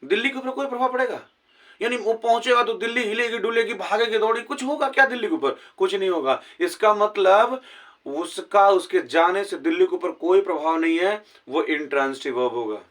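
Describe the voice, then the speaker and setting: A man's voice: sits high, a little fast, fairly bright tone, recorded from a distance. A male English teacher giving a grammar lesson with a Hindi accent, explaining step by step and often asking his students whether they have understood. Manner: asks many rhetorical questions to check understanding.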